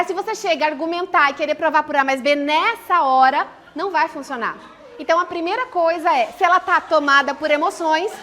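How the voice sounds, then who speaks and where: In a high-pitched, fairly bright voice, a female parenting speaker explains things conversationally during a live talk, frequently asking questions and answering them herself. A little hiss or hum is audible.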